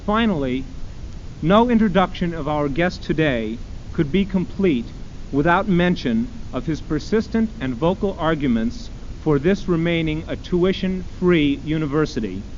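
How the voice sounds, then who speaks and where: A man's voice: lively intonation, measured pace. A man formally introducing a guest speaker at a university event. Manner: formal, announcing. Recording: dull 1960s archive recording with faint rumble.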